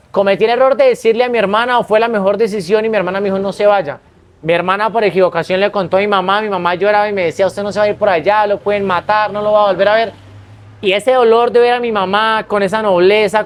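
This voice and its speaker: A young Colombian man telling his own story in a casual interview, earnest, often restarting his phrases. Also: sits high. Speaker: guest, pizza business owner.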